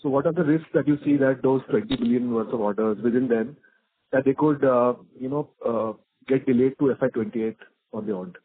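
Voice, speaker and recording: A man's voice: medium pitch, brisk, husky. A man with an Indian accent politely asking questions as a caller on an investor call, with frequent hesitations. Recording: narrow dry phone line.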